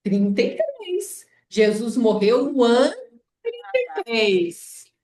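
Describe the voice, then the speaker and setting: A woman's voice: a little high, wildly swooping pitch, takes it slowly, darkish tone, far from the mic. A Brazilian woman leading an informal Bible study lesson, explaining and often checking in with her listeners. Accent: Brazilian Portuguese. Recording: echoey room, voice off-mic.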